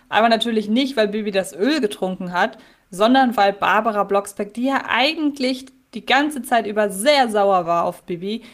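A woman co-hosting a podcast, giving earnest opinions and thinking aloud in casual talk. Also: mid-range voice. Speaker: podcast co-host. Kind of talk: casual episode discussion.

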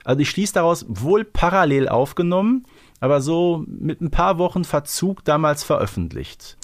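A man's voice: a little high, very animated, moderate pace. A man co-hosting a podcast, chatting casually and retelling a story, often ending on tag questions. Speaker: podcast co-host.

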